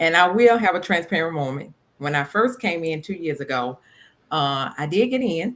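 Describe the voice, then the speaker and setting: Speaking in an American accent at a moderate pace, a woman with a normal speaking voice uses lively intonation at a fairly low pitch, in a very clean recording with a silent background. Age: 50s. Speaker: network marketing distributor. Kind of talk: testimony.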